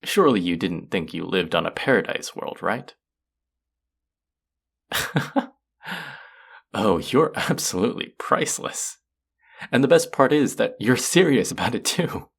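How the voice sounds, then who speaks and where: An actor playing a haughty, mocking, cultured alien buyer in an audio roleplay, speaking to the listener in a deliberate, condescending, theatrical way. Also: medium pitch, lively intonation, gravelly, breathy edge, heavily acted. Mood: smug condescension, then amused mockery.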